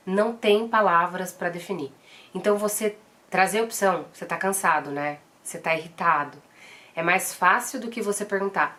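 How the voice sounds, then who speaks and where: A woman's voice: on the low side, a bit bright. A woman in her thirties with a Brazilian Portuguese accent, a mother giving earnest, direct parenting advice in a casual vlog. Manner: earnest and direct, firm when quoting commands.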